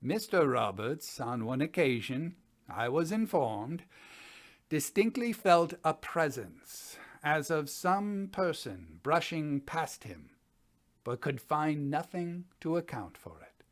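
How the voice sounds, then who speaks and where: Older man as an animated, high-pitched gentleman investigator. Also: slow. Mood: sober, methodical. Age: 60s. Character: sober, methodical Edwardian gentleman scientist investigating a haunting. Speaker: actor in a dramatic reading. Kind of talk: dramatic reading of a formal investigator's report. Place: indoors, small study.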